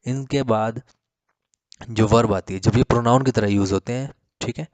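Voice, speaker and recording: A man teaching English grammar for exams, explaining in Hindi, reading example sentences slowly and spelling words letter by letter. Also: medium pitch, no room sound. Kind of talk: exam-prep grammar lesson.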